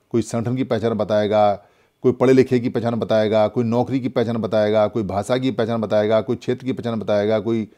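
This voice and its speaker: A man's voice: mid-range voice, a little mellow. A man from India giving a spoken Buddhist lesson, preaching with many repeated rhetorical questions. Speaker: Buddhist teacher.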